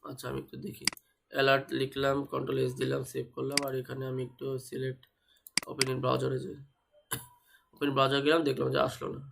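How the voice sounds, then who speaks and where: Fast, gravelly-voiced man teaching code. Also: medium pitch, monotone, background noise. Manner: explains step by step, repeats words and spells them out. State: speaking slowly because of fever. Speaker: web development instructor. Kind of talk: live online coding class.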